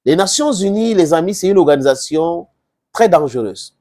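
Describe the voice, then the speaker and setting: A political commentator from Southern Cameroon, English being his first language and his accent Cameroonian, addresses viewers with impassioned, informal commentary. His mid-range voice is animated and warm, at normal speed, and he leans on emphatic repetition and rhetorical questions.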